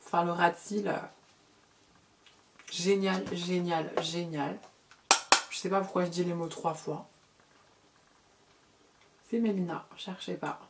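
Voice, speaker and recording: A woman's voice: on the low side, steady tone, moderate pace, pauses often, slight background noise. Woman, middle-aged, beauty vlogger, casual makeup tutorial, chatty, at home. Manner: chatty, repeats words, fillers.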